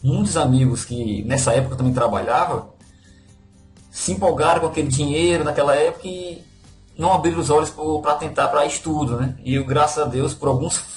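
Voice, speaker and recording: A man's voice: on the high side, a little fast, faint music behind. Ceará man recounting in an echoey room. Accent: Northeastern Brazilian (Ceará). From Fortaleza, Brazil. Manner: relaxed, modest, with frequent "né?" tags. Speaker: interview guest. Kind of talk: casual conversational storytelling.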